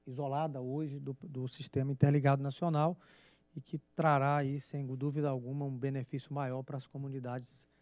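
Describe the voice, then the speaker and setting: A Brazilian man with a Brazilian Portuguese accent, an agency director making calm formal remarks over a video call. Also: mid-range voice, normal speed, dry recording.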